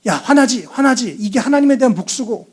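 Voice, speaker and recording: A man's voice: very high-pitched, lively intonation, brisk, slightly rough, full character voice. A man voicing Satan as a male tempter who eggs someone on to kill. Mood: goading. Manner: egging on, taunting.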